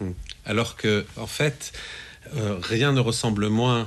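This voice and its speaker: Talking at a fairly slow pace in a French accent, a man has a fairly low pitch and ordinary pitch variation. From Algeria. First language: French (speaking Italian). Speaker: novelist. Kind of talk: interview.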